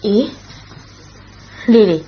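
A woman playing a forgiving, gently reproving schoolteacher in a Cantonese radio drama, with a husky, rough voice. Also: mid-range voice, extremely slow, a little hiss or hum. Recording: dull lo-fi old radio recording.

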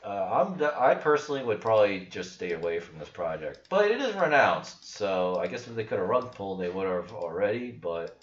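A young man talks casually and bluntly, full of doubt, trailing off and restarting as he goes. His voice sits a little low. The sound is dull and lo-fi, bouncing around a small room. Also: very animated, brisk, few pauses, echoey room. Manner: blunt, skeptical, rambling with restarts. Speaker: crypto channel host. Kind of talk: casual screen-share commentary.

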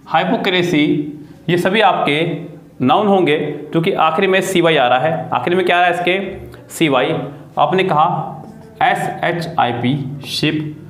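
A man teaches grammar in a video lesson, in a voice pitched somewhat high for a man. He spells words out letter by letter and keeps asking his students questions. The recording has the echo of a bare room. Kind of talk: classroom-style video lesson.

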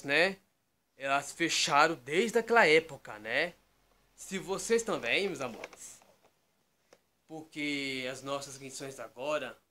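Man, higher bright voice, rambling webcam vlog at home, endless tag questions. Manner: repeats "tá?" and "né?" constantly, loose digressive storytelling. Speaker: YouTube vlogger. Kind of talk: rambling casual talk to camera. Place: bedroom at home, indoors.

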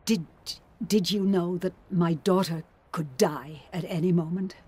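A woman's voice: on the low side, fairly even intonation, a little slow, darkish tone, husky. An actress playing a self-pitying elderly mother-in-law in an audio drama, with a martyred, disapproving manner. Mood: bitter, disapproving. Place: studio booth. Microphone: studio condenser with pop filter.

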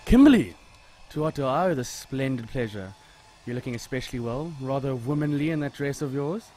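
A man plays a smug male hairdresser in a radio play, slick and predatory behind a respectable front. His mid-pitched voice oozes suggestion and turns easily to taunting. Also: animated, fairly quick, mellow, close to an everyday voice, low-quality recording. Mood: oily charm. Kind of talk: audio drama acting.

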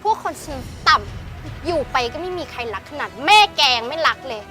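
A woman's voice: high voice, lively intonation, moderate pace. A woman playing a spoiled, mean stepsister who insults and taunts in a petulant way. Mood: snide. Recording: music underneath.

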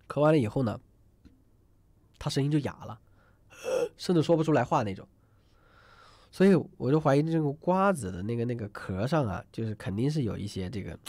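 Gravelly-voiced man teaching singing online. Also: fairly low pitch, a little mellow, no echo. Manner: chatty, asks students to type numbers in chat; rambling with many fillers and restarts. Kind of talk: live online class lecture.

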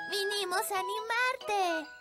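A woman's voice: very high-pitched, drawn-out words, exaggerated voice. A woman voicing a cheerful, eager little fairy princess in a cartoon, childlike and exclamatory, with a Latin American Spanish accent. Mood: excited. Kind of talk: animated cartoon dub. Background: music.

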